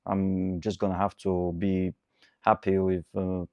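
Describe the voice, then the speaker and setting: A man's voice: low voice, completely flat delivery, a little slow, mellow, dry recording, lo-fi sound. A man in his twenties, a coach, giving an earnest, repetitive motivational talk. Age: 20s. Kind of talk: motivational monologue.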